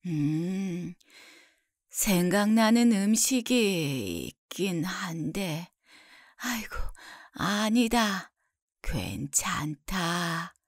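Woman plays a frail bedridden old mother, soft and dragging, storybook. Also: fairly low pitch, animated, very slow, no room sound, studio quality, heavily acted. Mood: weary.

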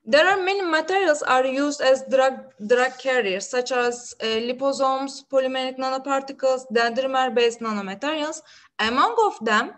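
High-voiced woman on a video call. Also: normal speed, a bit bright. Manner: hesitant, many fillers and self-corrections. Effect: heard over a video call. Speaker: conference presenter, master's student. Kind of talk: academic presentation.

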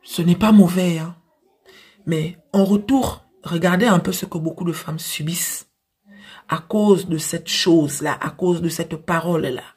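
A young adult woman with an African French accent and a husky voice, giving frank, emphatic advice straight to the camera like a big sister. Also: lowish voice, fairly even intonation, measured pace, a little mellow. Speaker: social media advice creator. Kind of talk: direct-to-camera advice talk. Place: small dim indoor room. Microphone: phone at arm's length.

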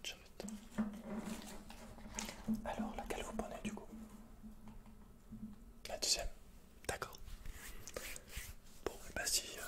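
A young man speaks in a breathy, unvoiced whisper. He is hesitant and halting, murmuring softly as a shop salesman in an ASMR roleplay. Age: young adult. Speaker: ASMR performer playing a computer shop salesman. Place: indoors, quiet room with dark backdrop.

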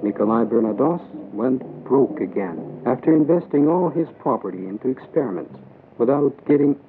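A man's voice: medium pitch, noisy background. Male documentary narrator, tinny lo-fi sound. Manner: measured, even reading of a history script. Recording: tinny lo-fi audio with music underneath. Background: music bed.

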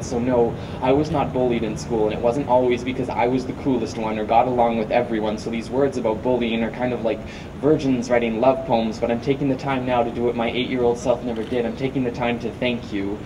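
A teenage boy performing rhythmic, wordplay-heavy spoken word poetry at a podium during a large outdoor rally. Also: medium pitch. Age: teens. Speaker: student performer. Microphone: podium mic, picked up from a distance. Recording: distant mic, noisy outdoor sound.

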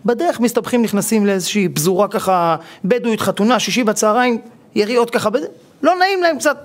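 A rabbi on a TV talk show explaining marriage advice and acting out quoted husbands and wives as he tells stories. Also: sits high. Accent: Israeli Hebrew. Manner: animated storytelling, acting out quoted spouses. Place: television studio.

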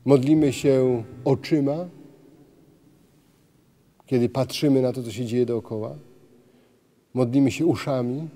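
A middle-aged man speaking as a priest, slow and contemplative, his voice sitting at an ordinary middle pitch. He asks quiet rhetorical questions and lets each thought settle, while clear instrumental music plays underneath. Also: steady tone. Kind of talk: reflective spiritual talk. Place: dim church interior. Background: soft music.

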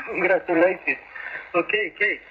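High-voiced Spanish man over radio. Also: lively intonation, takes it slowly. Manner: repeats short phrases. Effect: radio transmission. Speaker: amateur CB radio operator. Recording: dull long-distance radio with faint static.

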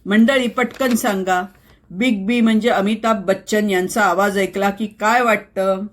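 A woman's voice: medium pitch, steady tone, unhurried. A woman presenting an explainer in a conversational, theatrical way, emphatic and full of rhetorical questions. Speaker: host and presenter. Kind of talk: conversational scripted explainer on voice skills.

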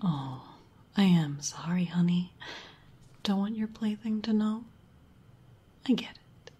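A woman's voice: mid-range voice, takes it slowly, warm tone. A woman voicing a powerful mature succubus mother in a sultry, teasing, condescending whispered role-play. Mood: teasing, doting. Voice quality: very breathy, husky.

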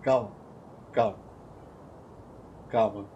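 A young Brazilian man commentating his gameplay, excitable, yelling and swearing as he plays. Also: fairly low pitch, slow pace, lo-fi sound, a little hiss or hum. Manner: excitable, yells and swears during play. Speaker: gaming channel host.

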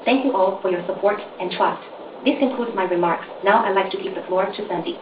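Interpreting for an executive, this woman reads formal corporate remarks with care on a conference call. Her mid-range voice moves a little fast. The audio is a noisy, distant conference line that sounds dull and roomy.

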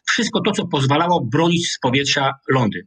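A man in his sixties with a Polish accent, a military analyst explaining at a measured pace over a video call from a small home office. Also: medium pitch, lively intonation, a bit bright, slightly rough, no echo. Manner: measured, explanatory, restarts mid-word. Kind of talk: analytical interview commentary. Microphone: video call webcam.

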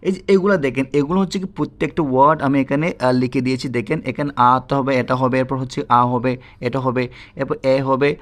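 A man's voice: medium pitch, steady tone, quick pace. A man with a Bangladeshi Bengali accent teaching a spoken English lesson. He repeats himself, talks straight to his viewers and keeps checking that they follow. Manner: repetitive, checks in with "ঠিক আছে?"; addresses viewers directly.

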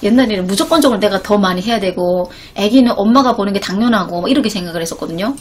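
A woman chats to her live-stream viewers at a rapid clip. Her voice is husky and a little breathy. She tells her story in an emphatic, conversational way. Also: medium pitch. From North Korea. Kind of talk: casual chat to viewers.

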